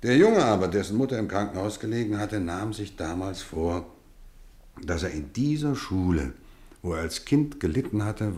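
Deep-voiced, animated kindly housemaster. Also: male voice, roomy sound. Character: kindly, playfully stern boarding school housemaster, grown man. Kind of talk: German radio play acting.

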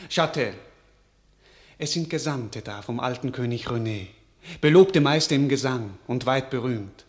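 A man's voice: medium pitch, unhurried, natural voice. A man playing a weak, emotional French king in a classical radio drama, theatrical and declamatory. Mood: haughty, careless.

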